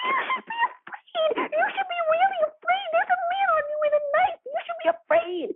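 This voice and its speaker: Someone uses a put-on, squeaky character voice at an extremely high pitch. The pace is moderate. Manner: anxious, urging fear.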